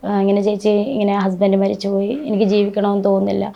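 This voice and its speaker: A woman's voice: mid-range voice, completely flat delivery, fast, gravelly, mellow, muffled recording. A woman guest in an interview, talking earnestly about personal memories, often restarting her sentences. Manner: earnest, rambling with frequent restarts. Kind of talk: emotional personal recollection.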